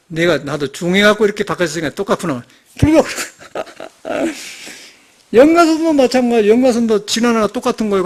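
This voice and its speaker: A man, a Buddhist monk, giving an informal, rambling sermon full of rhetorical questions and restarts. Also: high-pitched. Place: temple meditation hall.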